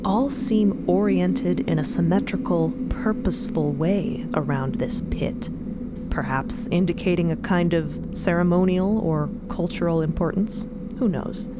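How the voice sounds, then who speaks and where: A woman narrates a scripted audio drama in a descriptive, dramatic style. Her voice is on the low side, and heavy ambience rumbles behind it. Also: a little slow, heavy background noise.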